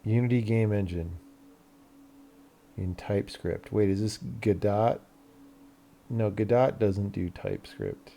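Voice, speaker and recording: A man's voice: lowish voice, very animated, slow pace, creaky, pauses often, dark tone, slight background noise. A man who hosts a game development livestream, chatting casually in a dry, grumbling, offhand way.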